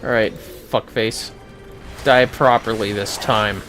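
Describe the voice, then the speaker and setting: A man's voice: fairly low pitch, steady tone, slow pace, a bit bright, faint music behind. A man giving casual, foul-mouthed commentary on a gaming livestream, muttering to himself with playfully theatrical outbursts.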